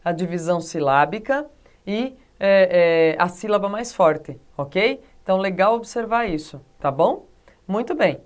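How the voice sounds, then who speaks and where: A woman's voice: fairly low pitch, lively intonation, unhurried. A woman with a Brazilian accent teaching a video lesson in a chatty way, often checking in with her students. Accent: Brazilian Portuguese. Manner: chatty, keeps checking in with the class. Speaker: Portuguese teacher.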